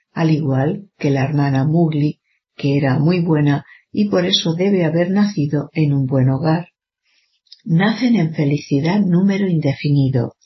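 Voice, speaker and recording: A reader of a spiritual discourse delivers a formal, scripted sermon in a measured, even manner at a middling pitch. He addresses his listeners as children, and the recording sounds muffled and low-fi.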